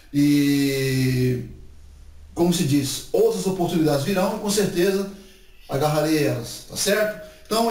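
Standing before a painted wall indoors, a YouTube host from Brazil, a man in his forties, vlogs in a chatty, animated way with plenty of gestures. His pitch runs on the high side, and he keeps adding little checks such as "right?", "né" and "tá certo". Recorded on a camera mic several meters off, the sound is echoey and far away.

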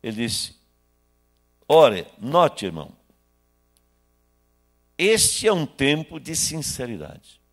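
A man in his sixties from Brazil, preaching a sermon into a handheld microphone in a small church hall, swinging between loud bursts and hushed asides. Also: medium pitch, huge pitch swings, slow pace, pauses often. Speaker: pastor.

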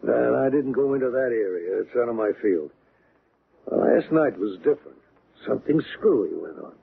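An actor playing a wry, skeptical police sergeant in a radio drama. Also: male voice, medium pitch, animated, moderate pace, vocal fry. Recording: muffled, noisy old radio recording.

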